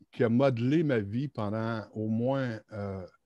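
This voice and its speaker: In a Quebec accent, a man speaks very slowly at a medium pitch with ordinary pitch variation and a dark, mellow tone, the background quiet. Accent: Québécois French. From Quebec (Shawinigan), Canada. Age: 60s. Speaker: interviewee sharing life story. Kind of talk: testimony. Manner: halting, frequent hesitations.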